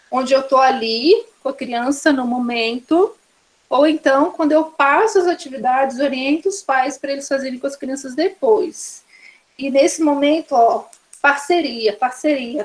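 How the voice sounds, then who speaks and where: Brazilian woman instructor, high bright voice, steady lecturing pace, rattles off examples in lists. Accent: Brazilian Portuguese. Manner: explains by listing examples one after another. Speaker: course instructor. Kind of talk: online course lecture.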